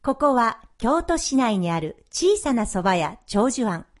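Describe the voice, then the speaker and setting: A woman's voice: a little high, very animated, a little slow. A woman reading a scripted story narration. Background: guitar music.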